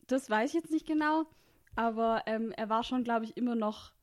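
A woman's voice: on the high side, normal speed. A woman co-hosting a casual podcast about a TV series, chatty, with frequent fillers and laughs. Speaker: podcast co-host.

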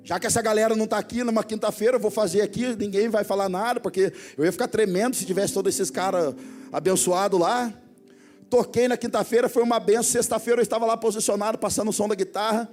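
A Brazilian man preaching as a pastor to his congregation, telling personal stories with hushed asides and loud exhortations. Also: sits high, fairly even intonation, fast, soft background music. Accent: Brazilian Portuguese. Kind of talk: sermon. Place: church hall before a congregation.

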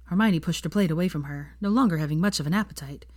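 Low-voiced woman reading a story. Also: fast talker, darkish tone, dry recording, clean studio sound. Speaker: fan fiction reader. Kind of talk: scripted narration of a story.

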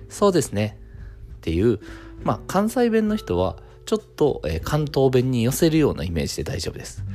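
A man, hosting a solo talk radio show and calmly explaining things in a measured way, with many fillers. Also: on the low side. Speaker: clinic owner and radio host.

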